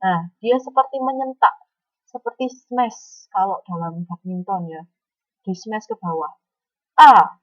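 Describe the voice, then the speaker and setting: A woman's voice: mid-range voice, unhurried, no echo, muffled recording. A woman teaching a Mandarin lesson online, speaking patiently and often adding a questioning "ya".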